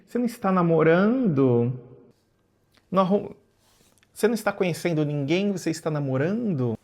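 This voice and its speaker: A man voicing his tender, doting mother, asking fond questions in a soft, gentle way. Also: on the high side, expressive, moderate pace, natural voice. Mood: fond, curious. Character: tender, doting older mother asking after her son.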